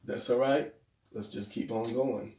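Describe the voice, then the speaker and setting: A man's voice: medium pitch, steady tone, measured pace, a little mellow, roomy sound, recorded from a distance. A man teaching drawing in a casual, hesitant and rambling way, his voice a little stuffy and worn. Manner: hesitant, rambling, self-deprecating. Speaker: drawing instructor.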